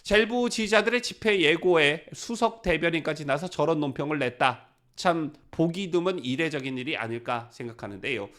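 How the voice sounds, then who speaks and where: A man's voice: on the high side, normal speed, a bit bright. A man hosting a political news commentary channel, talking to viewers and asking them rhetorical questions.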